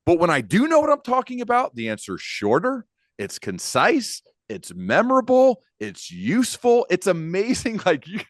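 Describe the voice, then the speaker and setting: A man's voice: high-pitched, huge pitch swings, moderate pace, no echo, clean studio sound. A man in his thirties hosting a podcast, talking casually and informally. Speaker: podcast host. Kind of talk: casual interview chat. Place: dim home studio. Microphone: large microphone close to mouth.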